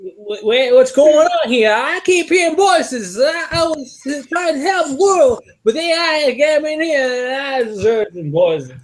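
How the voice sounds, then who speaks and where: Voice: high voice, animated, a little slow, few pauses. A player at a tabletop game who talks casually and hesitantly, with lots of stop-start phrases.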